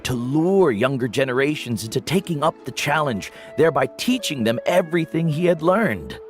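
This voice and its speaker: An actor playing a wise older male tribal guide in a video game, kindly, measured and earnest in his explanations. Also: a little high, sing-song. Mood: earnest, instructive. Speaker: mentor. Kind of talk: scripted game dialogue. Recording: background music under the dialogue.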